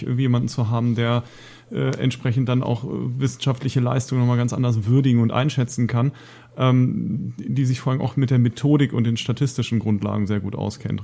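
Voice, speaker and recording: A man's voice: mid-range voice, gravelly, dark tone. A man hosting a podcast, talking in long winding sentences with many hesitations. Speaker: podcast host. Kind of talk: casual podcast conversation.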